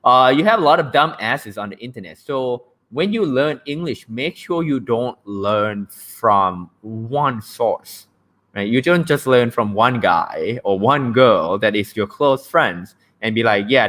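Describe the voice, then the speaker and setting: A young man with a Thai accent, originally from Thailand, runs a casual language-learning livestream, where he's blunt, jokey and fond of checking in with "right?". His mid-range, slightly bright voice has lively intonation and an unhurried pace.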